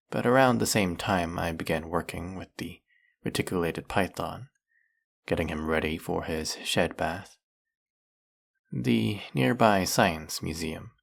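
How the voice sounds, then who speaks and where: An actor playing a snake-headed male villain in an audio roleplay, speaking in a soft, formal, measured way. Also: deep voice, vocal fry, heavily acted.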